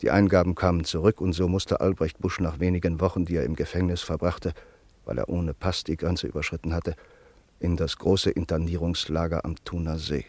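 A sombre friend narrating a radio play. His voice is deep and recorded very dry. He tells the story gravely, in a measured, deliberate way. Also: level tone, darkish tone, no echo. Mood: sombre, compassionate. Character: sombre male friend recounting an exile's fate.

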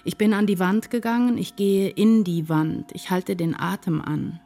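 An actress playing an anguished woman writer narrating her despair in a deliberate, intense literary radio drama monologue. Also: mid-range voice, fairly even intonation, mellow, close to an everyday voice. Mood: desperate, resolute. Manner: deliberate, intense, incantatory short phrases.

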